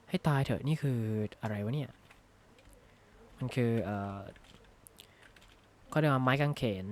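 A man talking casually while he plays a video game, joking and thinking aloud with frequent tag words, recorded on a close desk microphone at a gaming desk. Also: medium pitch. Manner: rambling, jokey, thinks aloud with frequent "na ha" tags. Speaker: gaming YouTuber. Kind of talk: casual Minecraft let's-play commentary. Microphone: close desk mic.

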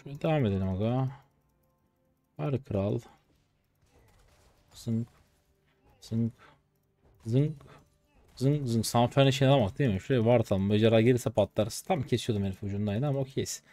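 A man in his twenties streaming his gameplay, chatty and excitable, trash talking in slang and breaking into sudden high-pitched outbursts. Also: fast talker, faint music behind. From Turkey. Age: 20s. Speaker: game streamer. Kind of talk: live gameplay commentary.

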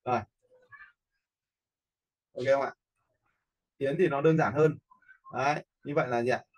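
Man, software instructor, slightly husky voice, casual tutorial talk, frequent check-in questions. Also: medium pitch, steady tone, measured pace. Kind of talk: casual screen-share teaching, addressing learners.

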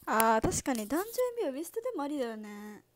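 Young woman, high lively voice, bubbly livestream chat, laughs a lot. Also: fast talker. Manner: giggly, bubbly, laughs often. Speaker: idol livestream host. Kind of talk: casual livestream chat reading viewer comments.

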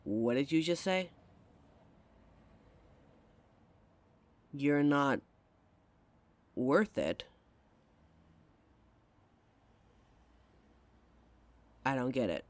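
A woman's voice: a bass voice, sing-song, unhurried, no echo, exaggerated voice. A woman playing a caring young adult girlfriend in an audio roleplay, talking intimately and emotionally straight to the listener on a close mic. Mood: hurt, confronting.

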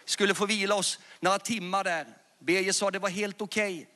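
A man's voice: high voice, fairly even intonation, sharp tone. A man preaching in a large church, telling a story with fervour and calling the congregation to raise their hands. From Sweden. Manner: fervent, storytelling, calls to the audience. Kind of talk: sermon with altar call.

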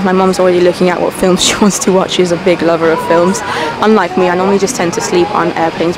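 Vlogging from her business class seat, a young travel vlogger of Persian-speaking background shows things to the camera with chatty enthusiasm, easily impressed, in a voice on the low side. She films on a handheld camera at arm's length. Audio quality is low, and music plays under her speech.

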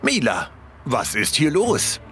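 A playful, friendly cartoon dad, easily excited, with hugely varied pitch. He takes his time over the words, and music plays clearly behind him. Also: slow, exaggerated voice. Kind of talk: dubbed children's cartoon acting.

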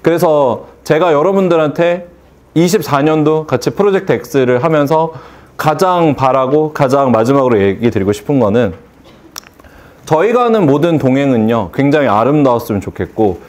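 A man's voice: fairly high pitch, lively intonation, moderate pace, a little mellow. A man giving a motivational speech to a seated audience, asking rhetorical questions and acting out phone calls. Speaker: hair salon owner giving a speech.

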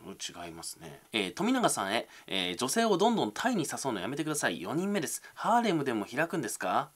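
A man's voice: medium pitch, huge pitch swings, fast talker, fairly bright tone. A young man, reading viewer comments aloud on a casual livestream and answering them with self-deprecating, mumbled asides.

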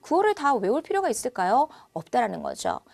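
A woman teaches Chinese vowels in a recorded online lesson. Her voice sits fairly high, and she talks with lively energy. She sounds out each vowel loudly and slowly, close to a dry mic. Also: vocal fry, dry recording.

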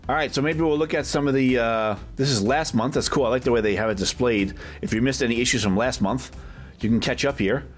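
A man with a mid-range voice talks a little fast as soft music plays, touring a crowded medium-sized shop for his vlog. A comic collector holding the camera himself, he keeps things chatty and spontaneous, often turning remarks into questions.

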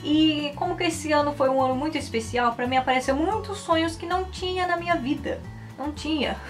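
A woman's voice: sits high, brisk. A woman, chatting casually and animatedly to the camera in a rambling way. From Japan. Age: 20s. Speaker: YouTuber and Japanese teacher. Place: small indoor room. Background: background music.

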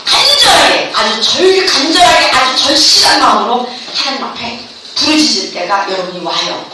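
High-voiced fervent woman pastor in an echoey hall. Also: animated, moderate pace. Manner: fervent call-and-response preaching, has the listeners repeat after her. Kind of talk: sermon to students at a camp. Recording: echoey hall, distant mic, background noise.

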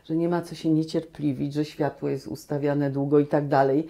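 Low-pitched woman guest in her sixties, mellow voice, lively anecdotes, lapel mic in a small room. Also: moderate pace. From Poland. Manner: animated storytelling with many restarts. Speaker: guest actress. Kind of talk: relaxed reminiscing conversation. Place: small cozy room, indoors.

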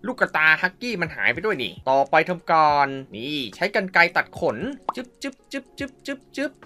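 A man's voice: sits high, wildly swooping pitch, fairly quick, pushed and bright. A man giving playful mobile game commentary, full of exclamations and mouthed sound effects. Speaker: mobile game YouTuber and host.

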